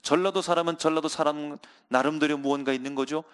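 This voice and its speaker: A male pastor delivers a Sunday sermon in a fairly high voice. He speaks earnestly, addresses the congregation often, and drags out key words for emphasis. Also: steady tone, fast, smooth.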